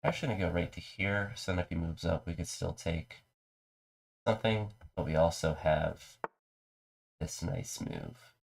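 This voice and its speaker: Streamer, male, low gravelly voice, stuffy from a cold, calmly narrates his moves. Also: normal speed. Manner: low-key, talks through his moves. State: mild cold, congested. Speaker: live streamer. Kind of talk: casual chess commentary.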